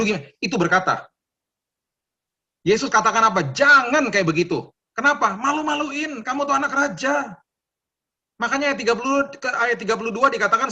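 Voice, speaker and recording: Man, pastor giving a sermon, bright ringing voice, a bit high, animated and conversational. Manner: lively, acts out quoted voices, conversational.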